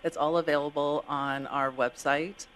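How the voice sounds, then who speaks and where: A female staff member giving a measured explanation in response to a question at a public meeting. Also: low-pitched, fairly even intonation, fairly bright tone, a little hiss or hum, poor audio.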